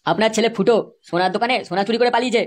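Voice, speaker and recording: A man voicing a gruff, threatening cartoon police officer with crude, bullying manner, in a pitched-up voice. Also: racing.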